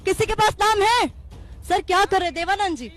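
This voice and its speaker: A woman's voice: very high-pitched, brisk, a bit bright. A woman field reporter reporting on the spot, pleading and insistently repeating her demands, with a dry throat.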